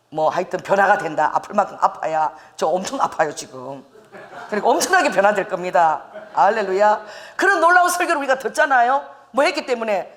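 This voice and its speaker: A middle-aged woman pastor preaching a sermon, animated, acting out the voices she quotes and laughing as she goes. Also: on the high side.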